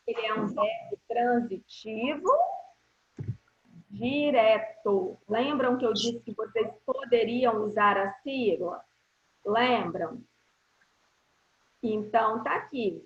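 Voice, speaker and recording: A woman teacher with a Brazilian Portuguese accent, explaining grammar to schoolchildren in an online class, speaking slowly and deliberately and often checking whether they follow. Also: a little high, animated. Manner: slow, deliberate explaining with frequent check-in questions. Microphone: video call. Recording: roomy, slightly dull video-call audio.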